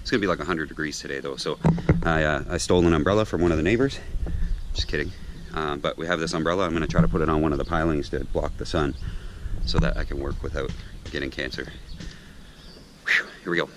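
A man's voice: very deep voice, quick pace, pauses often. A man in his thirties hosting a sailing vlog, explaining boat projects casually with lots of ums, filmed on a handheld camera at a marina. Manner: relaxed, joking, many ums and uhs. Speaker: vlog host, liveaboard sailor. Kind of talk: casual how-to vlog narration. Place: sailboat at a marina, cabin and deck. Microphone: handheld action camera close to the face. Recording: loud wind and handling noise.

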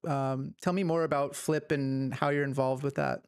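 A young man hosting a podcast, asking interview questions in a relaxed way with fillers. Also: mid-range voice, moderate pace, clean tone, no room sound, studio quality. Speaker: podcast host. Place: home streaming room. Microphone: headphones and studio mic.

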